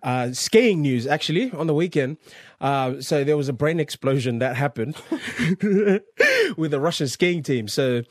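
A man's voice: medium pitch, expressive, unhurried, no echo, studio quality. A man co-hosting casual sports radio banter, joking and laughing readily. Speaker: co-host.

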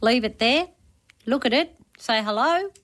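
A woman's voice: fairly high pitch, lively intonation, a little slow, a bit bright. An Australian woman on talkback radio, giving practical advice in a chatty, colloquial way as the resident expert. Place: radio studio.

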